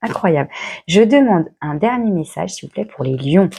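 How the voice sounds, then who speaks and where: A woman speaks at a fairly slow pace with a somewhat breathy voice. Her pitch swings very widely. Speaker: tarot card reader. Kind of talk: tarot reading monologue. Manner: hesitant, many fillers.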